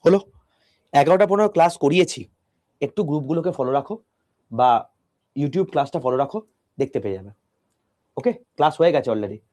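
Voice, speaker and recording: A man teaching an online physics class, talking softly into a close mic and explaining step by step with questions to his students. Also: on the high side, expressive, brisk, long pauses.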